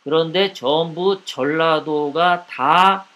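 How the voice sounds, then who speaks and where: A man's voice: a little high, slow, sharp tone. A man hosting a live political commentary show, talking in an indignant way and piling up repeated rhetorical questions.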